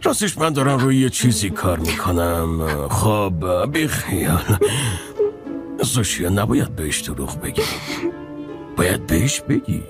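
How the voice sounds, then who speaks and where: A man's voice: low voice, big pitch swings, music in the background. An actor dubbing a stern wealthy older man who bluntly confronts and refuses his family. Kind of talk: dubbed film dialogue.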